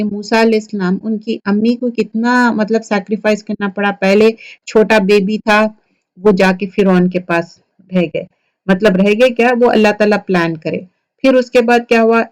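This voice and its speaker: Lady teacher retelling a scripture story, chatty lecture, keeps asking the class questions. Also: mid-range voice. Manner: storytelling, asks listeners rhetorical questions. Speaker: Quran teacher for women. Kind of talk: conversational Quran commentary lecture.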